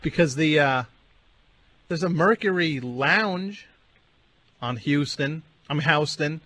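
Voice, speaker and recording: A man's voice: a little high, expressive, slow, bright, forceful tone. A man hosting a radio show, interviewing a caller in a dry, needling way and patiently correcting him. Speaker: radio host. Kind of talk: deadpan on-air interview.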